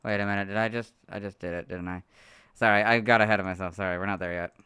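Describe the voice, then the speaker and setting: A hoarse young-sounding man with a low voice that still comes across bright and forceful, talking to himself as he edits. The sound is dry and close, with no room around it. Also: steady tone, quick pace, no echo. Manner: mutters to himself while working, apologetic asides. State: hoarse, losing his voice. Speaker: video creator streaming his editing. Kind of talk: casual livestream chat while editing. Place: home room, hot.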